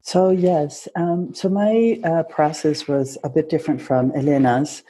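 A middle-aged woman interpreter telling how she started, speaking in a measured way on a video call. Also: sits low, fairly even intonation, mellow, a little hiss or hum. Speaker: guest interpreter. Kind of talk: casual chat on a video call.

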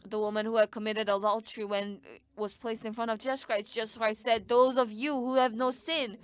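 A woman's voice: a little high, level tone, a little fast, clear, resonant tone. A woman giving live interpretation of a sermon, speaking in short bursts with frequent restarts.

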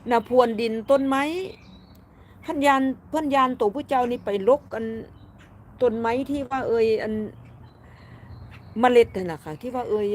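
Brief: chatty Isan-accented woman streaming live from her garden, fairly high voice, faint outdoor hiss behind. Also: normal speed, long pauses. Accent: Isan Thai. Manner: chatty, laughs often, reads out viewer comments. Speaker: vlogger chatting with live viewers. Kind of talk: casual live-stream chat.

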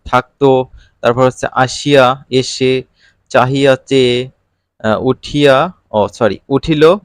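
A man's voice: medium pitch, dry recording, studio quality. Man giving a casual exam-prep lesson. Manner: casual colloquial teaching with fillers. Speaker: online tutor.

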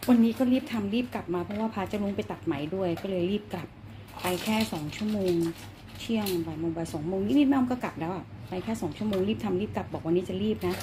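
A woman's voice: mid-range voice, noisy background. A woman at home filming her pets on a phone, chatting casually and talking to the animals in a cooing, baby-talk way. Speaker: pet-owner vlogger.

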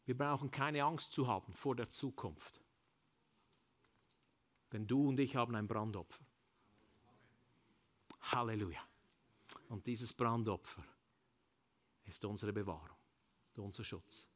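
A man's voice: mid-range voice, measured pace, long pauses. Fervent Swiss German preacher man. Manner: fervent preaching, swings from loud climaxes to quiet endings; mixes English phrases into his German. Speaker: pastor. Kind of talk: sermon. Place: church service.

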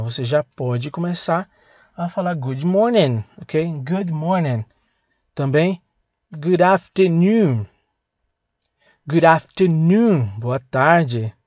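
A man with a Brazilian Portuguese accent teaching English to beginners, saying words slowly and having learners repeat them. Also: medium pitch, no room sound, highs cut off. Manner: slow, drilling words for learners to repeat, breaks in to grab his pen. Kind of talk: language lesson for beginners.

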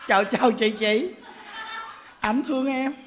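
A man's voice: very high-pitched, unhurried, background noise. A man voicing a meek young mistress who apologizes to the wife. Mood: apologetic.

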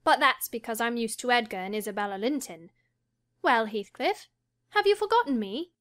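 A woman voicing a lively, teasing young girl of the gentry in a dramatized audiobook, exclamatory and blunt. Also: on the high side, moderate pace, no echo, studio quality. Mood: amused, teasing. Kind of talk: dramatized audiobook character reading.

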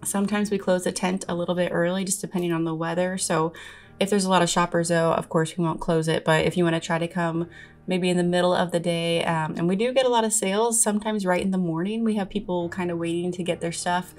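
Chatty woman with a lowish voice. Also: fairly even intonation, fast talker, soft background music. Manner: friendly, chatty, with frequent ums. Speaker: antique booth owner. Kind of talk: casual vlog voice-over.

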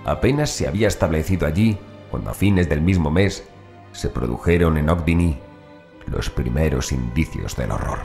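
A man reading a horror audiobook as narrator in a measured, phrase-by-phrase manner. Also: extremely low pitch, creaky, darkish tone, soft background music.

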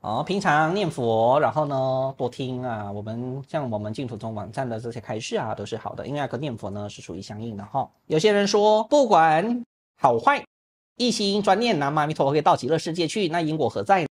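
A Buddhist monk speaks quickly at an ordinary pitch, answering questions from a lay audience. He jokes and acts out little examples, and peppers his sentences with soft filler particles. The sound comes through an online call. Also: husky. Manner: lively, humorous, acts out examples. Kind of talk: Dharma talk answering questions. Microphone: online video call.

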